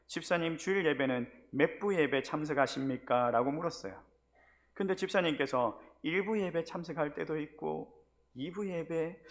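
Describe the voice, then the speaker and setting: Pastor telling a story in a sermon. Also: male voice, fairly high pitch, fairly bright tone. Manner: storytelling, acting out his own scolding voice.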